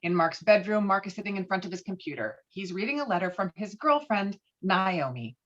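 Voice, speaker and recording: Lady narrating a screenplay, lively pitch, slightly lo-fi sound. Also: fairly quick. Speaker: stage directions narrator.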